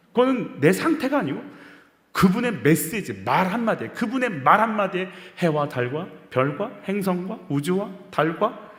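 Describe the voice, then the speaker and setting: Impassioned male pastor in an echoey hall. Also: high-pitched. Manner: impassioned, swinging between loud outbursts and quiet murmurs; asks the congregation rhetorical questions. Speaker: senior pastor. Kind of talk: sermon at a Friday prayer meeting. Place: church sanctuary. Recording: echoey church hall reverb.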